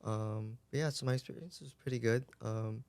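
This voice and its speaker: A man chatting casually on a podcast, relaxed, with many likes and ums. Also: mid-range voice, moderate pace, gravelly, no room sound.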